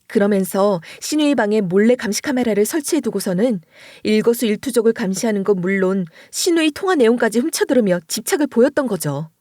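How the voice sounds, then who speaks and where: A woman narrating a dramatic first-person story in an expressive storytelling voice. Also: mid-range voice, fairly quick, dry recording, studio quality.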